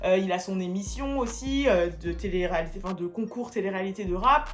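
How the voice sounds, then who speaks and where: A woman's voice: medium pitch, fast talker, faint music behind. A woman hosting a casual gossip vlog, chatty and full of filler words as she explains celebrity feuds. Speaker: gossip vlogger host.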